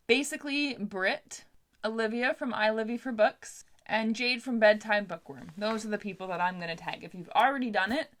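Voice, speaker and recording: A woman's voice: medium pitch, a bit bright. A young woman chatting casually to camera as a book vlogger, in an informal, rambling, playfully self-deprecating way. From Canada.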